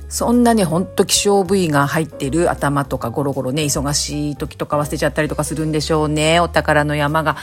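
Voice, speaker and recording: A woman with a hoarse, raspy voice, chatting casually and politely on her own as the host of a talk show. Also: low voice, fairly quick, hardly any pauses, soft background music. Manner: polite, chatty, frequent softening particles. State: hoarse, raspy voice from drinking the night before. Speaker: host of a snack-bar themed talk show. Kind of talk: casual solo chat monologue.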